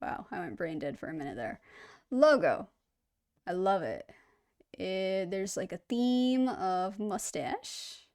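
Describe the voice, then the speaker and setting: A woman's voice: medium pitch, animated, takes it slowly, a little mellow. A woman hosting a reaction video, chatting casually in an upbeat, rambling way and poking fun at herself.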